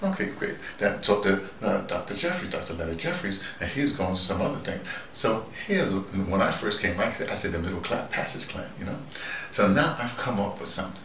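A middle-aged American man with a low voice hosts a casual video dispatch, heard in an echoey room some way from the mic with clear background noise. He rambles in a halting way, repeating words and wandering off on digressions. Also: very animated, a bit bright, distant mic. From North America. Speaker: host of a personal video dispatch. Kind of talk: rambling casual monologue to camera.

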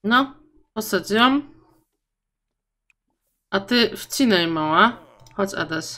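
Young woman playing a life sim, slow unhurried chat, talks to her sims, squeals up high when surprised. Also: animated, pushed and bright. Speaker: gaming YouTuber. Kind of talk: casual let's-play commentary.

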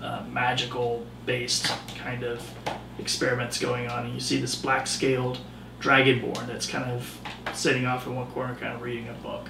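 A male game master narrates a tabletop game in a loose, descriptive way, his scene-setting full of fillers. His medium-pitched voice is monotone with vocal fry and a moderate pace. The mic sits well back, so the recording sounds roomy and distant, with background noise.

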